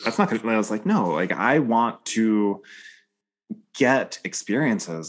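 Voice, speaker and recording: Here is a man with an unremarkable speaking voice. He speaks in a fairly low pitch with lively intonation. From US, moved around (military family). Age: 30s. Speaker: business coach, former firefighter. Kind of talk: casual interview.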